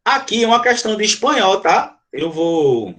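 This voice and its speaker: A male teacher lecturing to students, often pausing to ask if they follow and explaining with quick examples. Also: sits high, big pitch swings, a bit bright. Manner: frequent checking questions to students. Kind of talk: classroom lecture.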